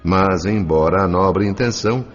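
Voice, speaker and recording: A man with a Brazilian accent voicing a grave spirit narrator in a dramatized audiobook, telling the story in a measured, formal way. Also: low voice, dull audio, faint music behind, natural voice. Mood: solemn storytelling.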